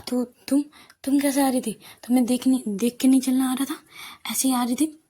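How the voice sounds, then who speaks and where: A woman voicing a hot-tempered young woman student who scolds loudly in an audio story. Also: high-pitched, fairly even intonation, a little fast, voice pushed up. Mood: scolding. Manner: scolding, loud.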